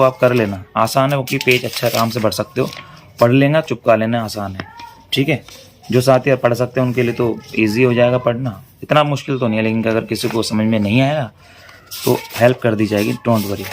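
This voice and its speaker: A man's voice: medium pitch, a little hiss or hum. A man giving a casual exam-tips lesson as a tutor, chatty and reassuring, often repeating "okay" as he moves on. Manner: chatty, reassuring, repeats "theek hai" while flipping pages.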